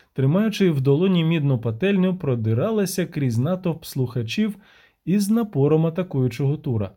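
Animated male audiobook narrator. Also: a little high. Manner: expressive, animated storytelling. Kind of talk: scripted fantasy audiobook narration.

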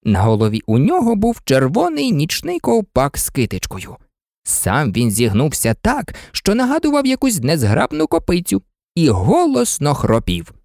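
A woman narrating a children's story in an expressive storybook reading. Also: low-pitched, moderate pace, dry recording, clean studio sound.

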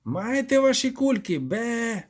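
A man's voice: very high-pitched, sing-song, slow pace, slightly rough, pitched above the performer's own voice, exaggerated voice. A man voicing a furious goat-like male devil who bleats and shrieks as he talks. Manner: shrieking, bursts into goat noises.

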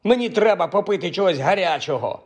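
A man's voice: on the high side, lightly acted. A man doing a sulky, irritable young wizard. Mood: indignant. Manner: irritable, drawn-out complaining. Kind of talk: audiobook character voice.

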